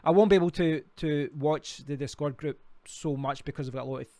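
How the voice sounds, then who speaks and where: A man's voice: fairly high pitch, a little fast, mellow, dry recording. Scottish man chatting on a live stream. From Scotland. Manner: rambling, talks to himself while clicking around. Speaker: crypto livestream host. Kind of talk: casual live stream chat.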